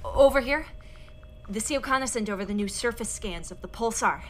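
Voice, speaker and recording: An actress playing a teasing, irreverent and flirtatious expedition director, playful and wry, in a science fiction audio drama. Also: female voice, a little high, normal speed, slight background noise, natural voice.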